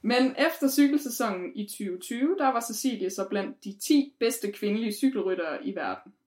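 A woman's voice: mid-range voice, expressive, a little mellow. Woman podcast host, reads from notes, fillers, mid-range voice. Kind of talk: scripted presenting.

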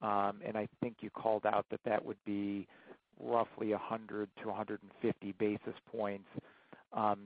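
A man working as a financial analyst, asking questions haltingly on an earnings call over the phone. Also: lowish voice, flat delivery, dry recording. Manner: halting, hedging, piecing questions together. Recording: thin, band-limited phone line, dry.

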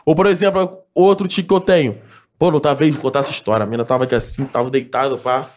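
A man's voice: medium pitch, steady tone, fast talker, a little mellow. A man from Brazil joking crudely in a casual podcast chat, with sudden swearing. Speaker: podcast guest.

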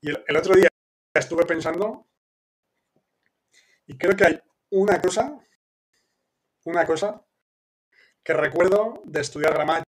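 A man's voice: a little high, measured pace, long pauses, breathy edge. A man who speaks Spanish as his first language, hosting a live question-and-answer session, thinking aloud with many restarts and fillers and checking in with his listeners.

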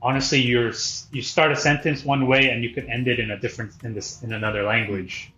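A man born in Korea who moved to the US young, a native Korean speaker, chats informally as a guest on a casual podcast, explaining things through examples. His mid-range voice is steady, a little fast, and sharp. The recording has a roomy echo, a dull lo-fi quality, and faint music.

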